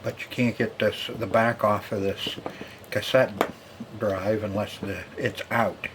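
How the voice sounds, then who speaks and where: A man's voice: fairly low pitch, little pitch movement, slow pace, background noise. A man narrating a hands-on repair casually, muttering to himself in a folksy way as he works. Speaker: repair video host.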